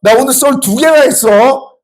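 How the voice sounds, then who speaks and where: A man's voice: very high voice, normal speed, soft background music. A male teacher in his thirties telling students a personal story, acting out both sides of the dialogue. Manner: animated, acts out both sides of a quarrel. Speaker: social studies teacher.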